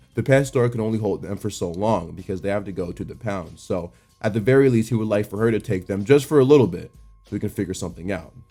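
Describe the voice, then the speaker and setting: With music in the background, a man speaks at a very fast pace in a fairly low pitch with ordinary pitch variation. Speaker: YouTube film reviewer. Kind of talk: video essay narration.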